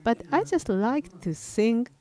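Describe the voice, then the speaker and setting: Slow, halting older Japanese pastor. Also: male voice, very high voice, very animated, darkish tone. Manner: halting, frequent self-corrections and restarts. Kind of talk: sermon. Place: church platform at a wooden lectern, indoors.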